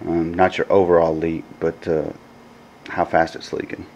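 A man's voice: low voice, moderate pace, highs cut off, slight background noise. A man casually demonstrating a vacuum gauge at a workshop table, rambling a bit and correcting himself as he goes. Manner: relaxed, rambling, with fillers and self-corrections. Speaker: HVAC technician reviewing a gauge. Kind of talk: casual hands-on product demo.

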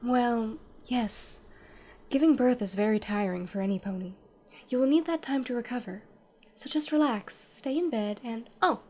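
An actress playing a kindly, reassuring pony nurse in a fan radio drama. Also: female voice, a little high, normal speed, close to an everyday voice. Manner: gentle, reassuring.

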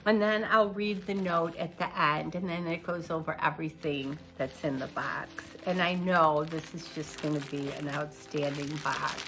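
A woman's voice: deep voice, steady tone, normal speed, hardly any pauses, fairly bright tone. An older woman in her sixties, chatting through an unboxing at home, a bit nasal from a cold and rambling with fillers. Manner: chatty, rambling with fillers, seated talking to camera. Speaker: unboxing vlogger. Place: living room at home, indoors.

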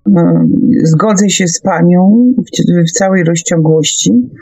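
Woman, radio discussion, hesitant phrasing, unhurried pace, warm dark tone. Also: on the low side, fairly even intonation, husky, low-quality recording. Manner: hesitant, halting delivery. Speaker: radio talk show host.

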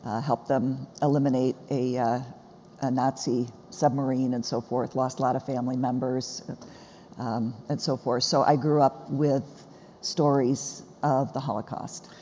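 A woman in her sixties, born in Sweden with Swedish as her first language, speaks warmly and reflectively, laughing easily. Her voice is dark and mellow. She is heard in a long-echoing church hall with a faint hiss underneath. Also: rumbling low, little pitch movement, measured pace. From born in Sweden, raised in the US. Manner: warm, laughs often, reflective storytelling. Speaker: guest, seminary professor. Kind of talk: conversational interview. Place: church stage, large hall. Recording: reverberant hall, faint noise.

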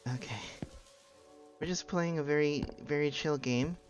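A man's voice: fairly high pitch, measured pace. A man giving casual livestream commentary as he plays a game, muttering short reactions. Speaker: livestreamer playing a horror game. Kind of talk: casual gaming stream commentary. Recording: music behind the voice.

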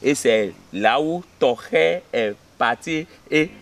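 A man in his fifties from Benin, a history teacher, telling village history in an outdoor interview, pausing on fillers and often checking he is understood. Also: a little high, animated. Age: 50s. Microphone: camera at close range.

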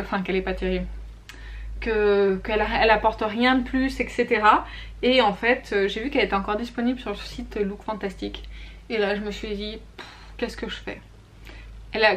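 A young woman talking casually and candidly to her camera at home as she reviews makeup and skincare products, restarting her sentences often. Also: fairly high pitch. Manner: chatty and candid, with frequent fillers and self-corrections. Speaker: beauty vlogger. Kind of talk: casual monthly favorites and flops review.

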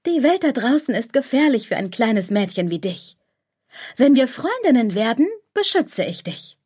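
Woman doing a high, nagging inner voice. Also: big pitch swings, moderate pace, a little mellow, breathy edge. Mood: pushy. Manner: insistent, fearmongering, wheedling. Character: nagging anxious inner voice, girlish, clingy.

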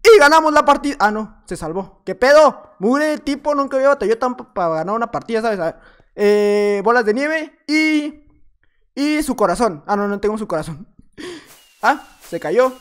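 Excitable Mexican gamer commentating. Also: male voice, very high voice, normal speed, smooth. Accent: Mexican Spanish. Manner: jokey, talks to himself, bursts into shouts. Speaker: gaming YouTuber. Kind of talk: excitable Minecraft gameplay commentary.

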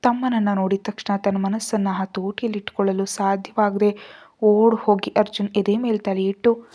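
A woman narrating a serialized family drama in a measured, even storytelling manner. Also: medium pitch, dull audio.

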